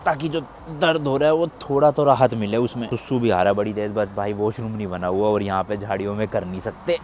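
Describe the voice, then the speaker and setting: A man from India chatting casually to his vlog audience, calling them brother as he talks. His voice sits a little low. He speaks outdoors beside a highway, and faint traffic noise is heard behind him. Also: a little fast, darkish tone. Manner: chatty, addresses viewers as brother. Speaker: travel vlogger.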